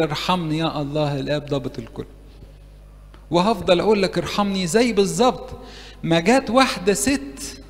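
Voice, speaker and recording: Man, Egyptian Arabic accent, priest's sermon, raised pitch, long church reverb. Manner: lively, asks the audience questions and acts out prayers. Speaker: priest preaching to university youth. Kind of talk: interactive sermon. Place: church meeting hall.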